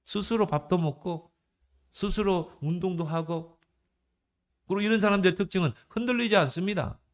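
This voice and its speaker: Male pastor, fairly high voice, conversational sermon with rhetorical questions. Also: moderate pace. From South Korea. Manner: conversational preaching with rhetorical questions and shifting emphasis.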